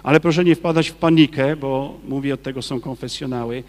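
A man, a Catholic priest, giving a lively sermon and firing rhetorical questions at his listeners. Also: medium pitch, a little fast, big-room sound, soft background music. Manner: acts out quoted people in his talk.

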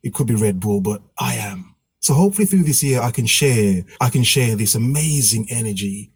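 A man's voice: medium pitch, expressive, moderate pace, slightly rough. A man hosting a podcast in a chirpy, self-mocking way. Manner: chirpy, self-mocking, laughs between phrases. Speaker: podcast host. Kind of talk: casual podcast chat.

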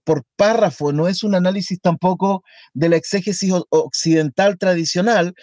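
A man teaching a lesson on a Hebrew text, speaking slowly and deliberately, into a close mic. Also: high-pitched, a little mellow, dry recording. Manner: slow, deliberate, reads Hebrew aloud.

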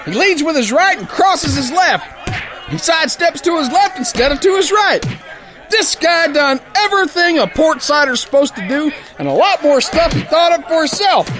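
A man's voice: very high-pitched, animated, normal speed, fairly bright tone. An actor playing a brash, good-hearted young sailor boxer who spins his yarn in folksy tough-guy slang for a radio comedy. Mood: exasperated, excited. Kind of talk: old-time radio comedy, first-person yarn spinning.

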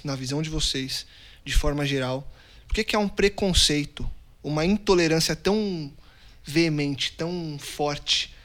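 A man's voice: a little high, a bit bright. Upbeat male podcast host. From São Paulo, Brazil. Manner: friendly, teasing introductions, fast bursts.

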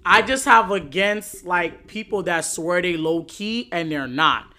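A woman's voice: lowish voice, measured pace, bright, forceful tone, slight background noise. A woman hosting her own podcast, talking in a loose, slangy solo monologue full of fillers. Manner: chatty and slangy, many fillers. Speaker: podcast host. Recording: echoey room.

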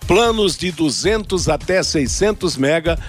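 A Brazilian man with a slightly husky voice, presenting headlines and talk as a sports radio host. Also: a little high, animated, unhurried, faint music behind.

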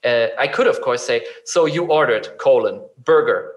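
A man's voice: medium pitch, lively intonation, moderate pace. A man in casual conversation, explaining ideas through examples, hesitant with frequent fillers and restarts. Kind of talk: casual conversation about chatbot design.

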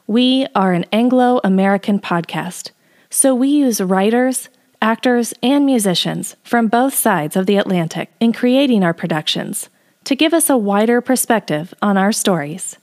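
A woman's voice: mid-range voice, animated, measured pace, darkish tone. A woman presenting a podcast, reading a scripted introduction in a formal announcing manner.

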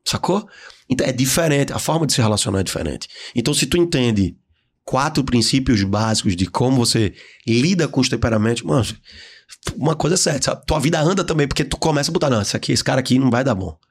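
A Brazilian man guesting on a podcast, talking in slangy casual chat and acting out the people he describes in sudden high voices. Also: lively intonation, fast, breathy edge. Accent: Brazilian Portuguese. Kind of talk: animated casual podcast talk. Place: podcast studio.

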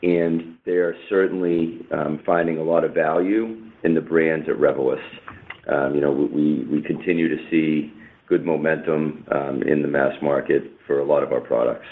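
Very deep-voiced male executive on a phone line. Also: fairly even intonation, normal speed. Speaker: company executive on an earnings call. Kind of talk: unscripted corporate question-and-answer. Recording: narrow tinny phone conference line.

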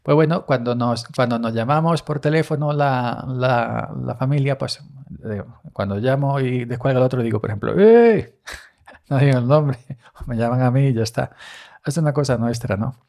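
A man's voice: mid-range voice, fairly even intonation, moderate pace, gravelly, darkish tone. A man hosting a casual monologue podcast, talking in a rambling, chatty way and often correcting himself. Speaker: podcast host and olive farm worker. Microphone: studio microphone.

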